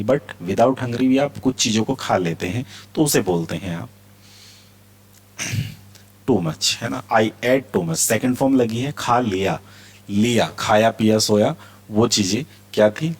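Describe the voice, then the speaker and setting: Low-voiced man teaching English phrases. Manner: explains phrases slowly, repeating examples and quizzing learners. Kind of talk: spoken English lesson in Hindi.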